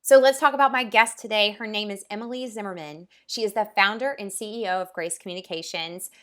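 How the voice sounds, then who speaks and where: A woman's voice: medium pitch, fairly quick, fairly bright tone. A woman hosts a casual interview podcast. She sounds upbeat and enthusiastic as she introduces her guest and asks questions. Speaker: podcast host.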